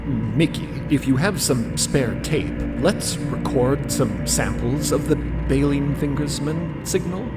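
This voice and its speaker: Male actor as businesslike man of science, medium pitch, varied intonation, audio drama, loud music. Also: animated, slow pace, hardly any pauses. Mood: focused, keen. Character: keen, businesslike man of science aboard expedition.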